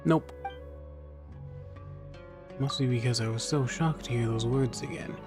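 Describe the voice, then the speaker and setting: A man's voice: medium pitch, unhurried, music in the background. A man playing a video game, casually commenting and reading dialogue choices aloud.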